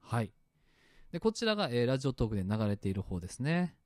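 A man hosting his own show, chatting in a relaxed way about the sound effects he made. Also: medium pitch, fast, no room sound, clean studio sound. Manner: relaxed and chatty, many fillers, starts and stops clips. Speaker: podcast host. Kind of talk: casual solo talk explaining his sound effects. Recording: faint music clips playing behind.

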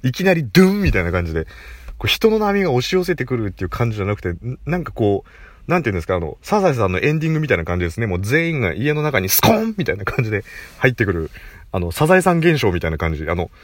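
A man hosting his own casual solo talk show, chatty and animated, laughing at himself as he rambles. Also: medium pitch, racing, dry recording. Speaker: podcast host.

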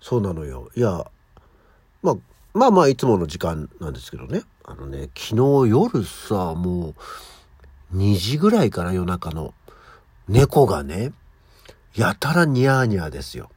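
Lively, husky-voiced middle-aged man hosting solo. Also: measured pace, no room sound. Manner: high-energy, animated, chatty storytelling. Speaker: podcast host. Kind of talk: casual solo morning talk.

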